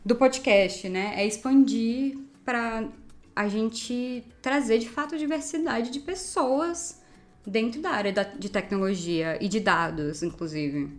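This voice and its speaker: A woman's voice: fairly high pitch, slow pace. A woman with a Brazilian Portuguese accent co-hosting a podcast, speaking earnestly and with emphasis. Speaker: podcast co-host. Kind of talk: casual chat.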